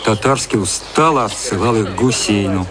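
An actor as the narrator of a radio play, telling the story in a measured, matter-of-fact literary style. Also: male voice, fairly low pitch, close to an everyday voice. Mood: dry, measured. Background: music.

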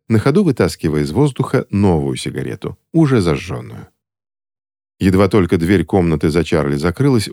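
A male audiobook narrator with a very low voice who tells the story with wide, animated swings in pitch. He reads expressively, voicing every character in the tale himself.

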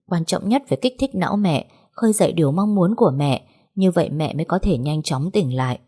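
A woman's voice: on the low side, expressive, a little fast, dark tone, breathy edge. A woman reading a first-person story aloud as scripted narration, with an emotional, dramatic delivery.

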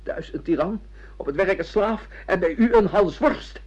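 A man's voice: high-pitched, moderate pace, lightly acted. A man acting a bewildered, sardonic middle-aged amnesiac husband in a Dutch radio play, with theatrical, ironic delivery. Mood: agitated. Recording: muffled lo-fi radio play recording.

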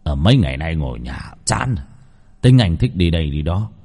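A man voicing a blunt old male exorcist who mutters gruffly. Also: a bass voice, very animated, moderate pace, mellow, pitched below the performer's own voice, full character voice. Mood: grumbling. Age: older.

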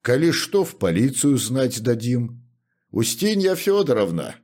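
A man voicing a stern, bossy older butler in an audiobook, speaking in a gruff, commanding way. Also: mid-range voice, very animated, moderate pace, voice pushed up. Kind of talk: audiobook character reading.

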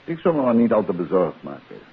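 An actor playing a courteous, composed detective who probes politely in a 1950s radio drama. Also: male voice, fairly low pitch, very animated, husky, heavily acted. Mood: reassuring. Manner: polite, measured, inquisitive. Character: composed, courteous male amateur detective, quietly probing. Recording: hissy, tinny 1950s radio recording.

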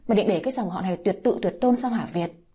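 A woman's voice: expressive, brisk, dark tone, slightly rough. A woman voicing a bitter older village mother-in-law who scolds and wails, in a read-aloud story. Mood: shrieking. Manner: shrill, scolding, wailing.

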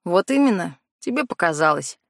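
Cocky teen schoolboy in a storybook reading, teasing and sure of himself, voiced a touch low and set back from the mic, as a woman puts him on. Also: very animated, moderate pace, vocal fry, no room sound, clean studio sound, full character voice. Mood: dismissive. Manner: teasing, self-assured.

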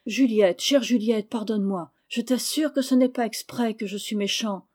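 A woman's voice: on the high side, normal speed, darkish tone, lightly acted. Woman reading as an eager orphan boy. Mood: excited. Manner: eager, pleading. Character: impulsive mischievous orphan boy.

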